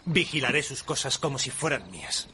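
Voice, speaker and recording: An earnest frontier preacher in a dubbed drama. His voice has a middle pitch and stammers gently. Steady ambient noise sits behind him. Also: brisk.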